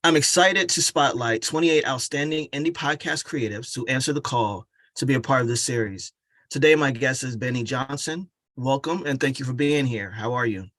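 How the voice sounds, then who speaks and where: A man's voice: medium pitch, fairly bright tone, no room sound. Polished man hosting an interview. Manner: polished, welcoming, measured. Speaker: podcast interview host. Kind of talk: scripted interview introduction and questions.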